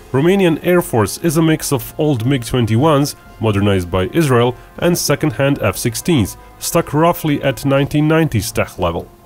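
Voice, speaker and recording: A man talks at a fairly slow pace with lively intonation. Music plays in the background. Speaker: narrator. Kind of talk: documentary narration.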